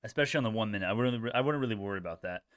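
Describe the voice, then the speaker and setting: A man's voice: lowish voice, rapid-fire, fairly bright tone, clear, resonant tone, no echo, clean studio sound. A young man hosting a casual live stock-trading stream, reacting to chat in informal bro slang and often repeating himself as he thinks aloud. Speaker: livestream host, retail stock trader.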